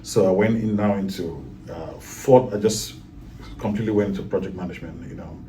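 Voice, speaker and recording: Deep-voiced man from Cameroon, rambling. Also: a little fast, warm tone, recorded from a distance, poor audio. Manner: rambling, many fillers and restarts. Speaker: guest, IT project manager. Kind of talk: casual interview talk.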